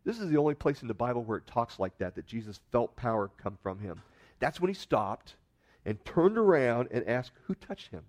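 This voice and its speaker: A man preaching a sermon, telling a story with expressive swells of emphasis and dramatized quotes. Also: medium pitch, normal speed. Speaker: pastor.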